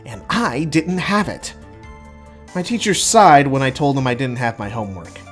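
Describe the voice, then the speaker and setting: Man, animated pitch, dramatic amateur story reading, expressive, music behind. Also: normal speed. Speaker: writer reading own work.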